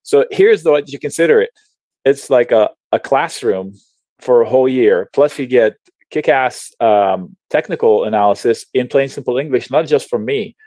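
A man from Lebanon, an options trading educator, explaining charts on a video call in a chatty, animated way with slang and frequent restarts. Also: medium pitch, moderate pace, no room sound. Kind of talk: casual webinar explanation while sharing charts.

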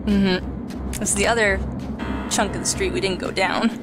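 A woman's voice: mid-range voice, steady tone, normal speed, loud music behind the voice. A woman hosting a let's play, giving casual commentary as she plays. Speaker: gamer, let's play host.

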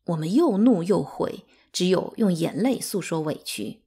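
Calm woman reading a bedtime story. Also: fairly low pitch, a little slow, slightly rough. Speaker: audiobook reader.

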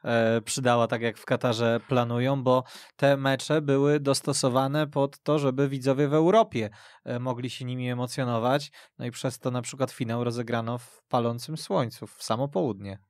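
A man's voice: mid-range voice, fairly even intonation, normal speed, no echo, clean studio sound. A man hosting a football discussion in a conversational style. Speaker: podcast host. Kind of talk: conversational sports talk.

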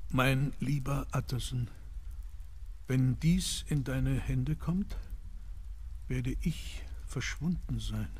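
An actor playing an earnest, commanding gentleman, worried for his friend, speaking formally and gravely in a radio play. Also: mid-range voice, takes it slowly, pauses often, a little hiss or hum, lightly acted. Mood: solemn.

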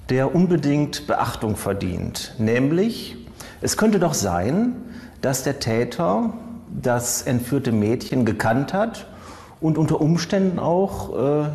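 A man giving analytical expert commentary in formal, elaborate, deliberate phrasing. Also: medium pitch, warm tone. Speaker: forensic psychology expert commentator. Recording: echoey hall-like reverb.

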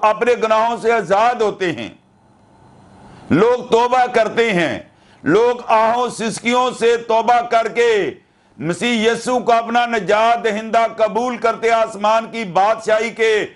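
An older man preaching a sermon to camera, earnest and deliberate, asking rhetorical questions. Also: high voice. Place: indoor studio with curtain backdrop.

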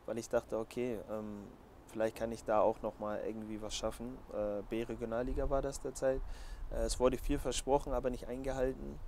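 Bright-voiced young German man, even pitch. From Hamburg, Germany. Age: 20s. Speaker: footballer, interview guest. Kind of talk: casual interview answers. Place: open-air terrace by a training pitch. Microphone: lapel mic. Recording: outdoor recording with clear background noise.

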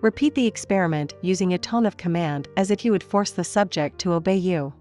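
A woman reading a nonfiction audiobook in a steady, measured way, slowing down to stress quoted commands. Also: on the low side, faint music behind. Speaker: audiobook reader. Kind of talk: scripted nonfiction narration.

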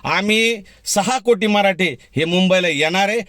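A man's voice: sits high, moderate pace, a bit bright, no room sound, studio quality. A man, an activist giving a heated, defiant rebuttal straight to the camera. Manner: defiant, heated, direct address. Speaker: community activist. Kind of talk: fiery video rebuttal.

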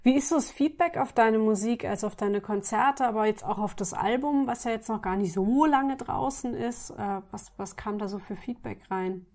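Chatty woman podcast host, slightly high voice. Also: moderate pace, hardly any pauses, darkish tone. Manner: informal, chatty. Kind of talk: casual conversational interviewing.

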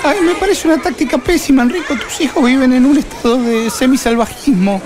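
A woman as a high-voiced, fretful young mother. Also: a little fast, a crowd in the background, natural voice. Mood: disapproving. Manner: fretful, sighing interjections. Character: fretful young first-time mother, skeptical, protective. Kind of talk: comic radio play acting. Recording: music behind the voice.

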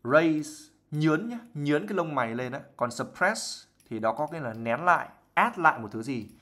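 A man's voice: fairly high pitch, expressive, moderate pace, sharp tone. A man teaching English vocabulary on a live stream. He reads a novel aloud and explains words chattily, mixing English words into his talk and acting out examples. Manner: laughs and acts out examples while explaining. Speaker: IELTS teacher.

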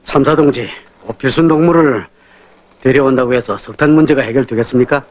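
A man's voice: medium pitch, fairly quick, lightly acted. A man playing a stubborn middle-aged North Korean factory manager, arguing in an official manner. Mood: insistent. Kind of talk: film drama acting.

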